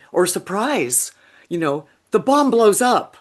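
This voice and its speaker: Over a quiet background, a woman with an American accent speaks with lively intonation. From US West Coast, San Francisco Bay Area. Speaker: audio description and voiceover performer. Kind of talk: interview conversation. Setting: podcast recording.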